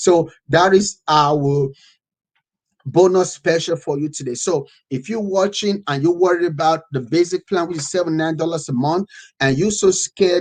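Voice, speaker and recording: This man talks with a Nigerian accent in a fairly high pitch. His tone is animated. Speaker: online business coach. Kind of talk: sales pitch. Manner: halting.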